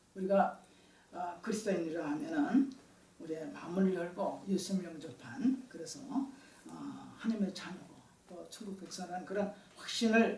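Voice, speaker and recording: A man with a high voice talks at a moderate pace with lively intonation and big shifts in loudness, and the room echo is audible. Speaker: pastor. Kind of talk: sermon. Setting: church. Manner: frequent fillers, slightly halting.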